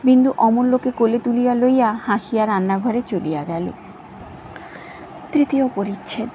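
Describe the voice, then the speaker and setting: A woman storyteller reading a classic novel aloud in an even, measured way, in a slightly dull recording with faint hiss. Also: on the high side.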